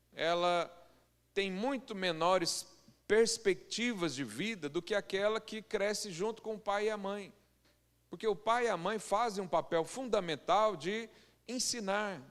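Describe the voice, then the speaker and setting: A man from Goiânia with a Brazilian Portuguese accent, preaching a sermon as pastor and slowing into loud, emphatic scripture readings. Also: sits high. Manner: swells loud and slow on scripture quotes. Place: church hall. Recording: long church-hall reverb.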